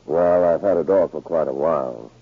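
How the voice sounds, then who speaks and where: An actor playing a smug, cold-blooded, controlling spy villain in a 1940s radio drama, with a gruff, rough voice. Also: male voice, extremely low pitch, moderate pace, faint music behind, exaggerated voice. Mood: plausible, subdued. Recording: scratchy, narrow-band 1940s radio recording.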